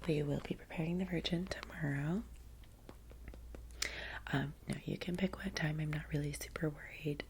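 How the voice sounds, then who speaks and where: Woman doing a low whispery valley girl vampire's assistant, asmr roleplay, chatty n kinda vain, rambles casually. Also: rough recording. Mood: musing, upbeat. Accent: American Valley girl. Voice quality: breathy whisper. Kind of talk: soft-spoken ASMR roleplay.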